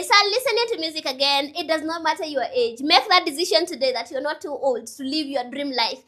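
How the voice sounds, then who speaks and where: With a high-pitched, sharp voice, a woman in her twenties offers casual motivational talk to camera, repeating herself earnestly and chatting through little asides to her viewers.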